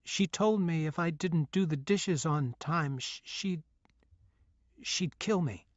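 A man voicing a frightened young boy who stammers in halting bursts. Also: on the high side, dry recording, dull audio.

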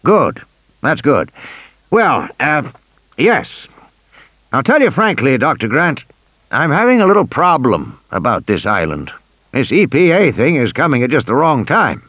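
A man's voice: mid-range voice, big pitch swings, a little slow, fairly bright tone, no room sound. A man voicing a cheery, insistent old male tycoon who coaxes and presses on the phone. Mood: wary. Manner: insistent, persuasive, coaxing.

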